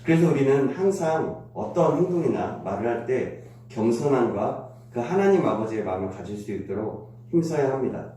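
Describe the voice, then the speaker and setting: Congested pastor in an echoey church. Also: male voice, mid-range voice, lively intonation, mellow. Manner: measured, with frequent "uh" pauses and throat clearing. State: nasal congestion, voice not coming out well. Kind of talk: dawn prayer sermon. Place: church sanctuary. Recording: very echoey room, distant mic.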